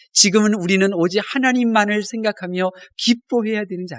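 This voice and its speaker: A man's high-pitched voice at a moderate pace. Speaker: pastor. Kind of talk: sermon.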